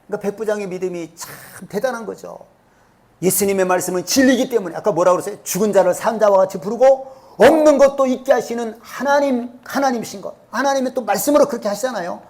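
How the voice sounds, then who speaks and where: A man's voice: high voice, quick pace, darkish tone. A male pastor preaching a sermon in a church, often asking the congregation questions. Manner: asks the congregation rhetorical questions. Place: church sanctuary.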